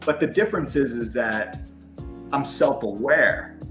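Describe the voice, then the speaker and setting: 40s guy telling his story quick, lots of likes, echoey room, faint music. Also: mid-range voice, a bit bright. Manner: quick, fills speech with "like" and "you know". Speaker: guest. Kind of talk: casual interview chat.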